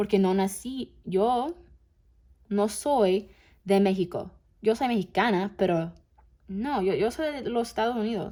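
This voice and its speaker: In an American accent, a woman with a dark, mellow tone and medium pitch talks at a very slow pace with long, frequent pauses and ordinary pitch variation, on a very clean recording with a silent background. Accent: Spanish with an American-raised. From United States.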